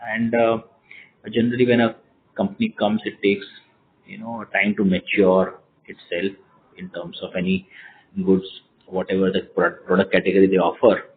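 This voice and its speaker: A thin, band-limited conference phone line carries a man with a fairly deep voice and an Indian accent. He answers investors as a company executive. His delivery is hesitant, circling back over words and phrases. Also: little pitch movement, normal speed. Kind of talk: earnings call question and answer.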